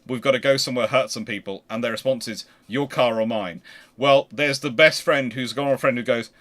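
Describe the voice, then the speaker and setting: A man's voice: mid-range voice, fairly even intonation, brisk, fairly bright tone. A man hosting a casual history panel discussion in a conversational way.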